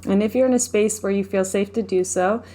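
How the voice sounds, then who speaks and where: A woman leading a guided meditation, speaking gently and without hurry, giving instructions with pauses. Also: medium pitch, steady tone. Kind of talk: guided meditation, live session.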